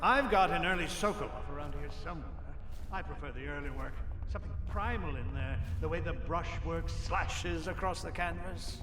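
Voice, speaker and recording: An actor playing a scheming high churchman in a video game, unctuous and theatrical with falsely polite manners. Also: normal speed, close to an everyday voice. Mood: cordial, distracted. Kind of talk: video game cutscene acting. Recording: echoey hall, music behind.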